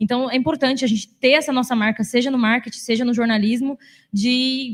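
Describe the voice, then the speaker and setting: Here a woman talks. Her voice sits fairly high. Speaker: sports TV journalist. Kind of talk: panel talk. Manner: fast.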